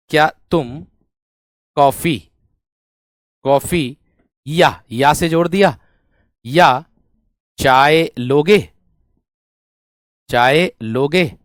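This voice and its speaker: A man's voice: fairly high pitch, dry recording, studio quality. A man giving a classroom grammar lesson, dictating example sentences, repeating phrases and often checking that students follow with familiar rhetorical questions. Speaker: Hindi grammar teacher.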